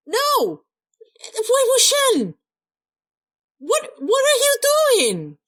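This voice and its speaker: Shouting in a squeaky, put-on character voice at an extremely high pitch, a woman goes at a very slow pace with long, frequent pauses. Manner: shouting, exclaiming.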